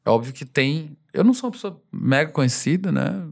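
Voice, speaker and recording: Relaxed chatty man. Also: on the high side, fairly quick, gravelly. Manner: relaxed, rambling, laughs often, acts out fans. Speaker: singer being interviewed. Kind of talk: casual interview conversation.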